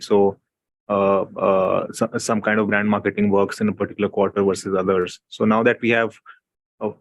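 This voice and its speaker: A man speaking as a company executive, giving unscripted answers to investor questions with measured, hesitant phrasing. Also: fairly low pitch, gravelly, dry recording. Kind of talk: unscripted earnings call answers.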